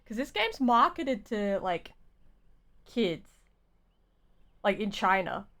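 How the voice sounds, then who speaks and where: A woman game streamer giving casual live commentary, rambling and halting as she thinks aloud. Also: mid-range voice, big pitch swings, fairly bright tone.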